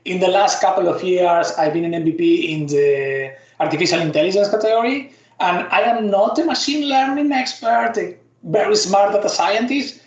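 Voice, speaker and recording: A man's voice: high-pitched, normal speed, few pauses. A man from Argentina, speaking as a guest on an online talk in a loose, friendly, self-deprecating way. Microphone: video call. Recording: roomy, dull online call audio.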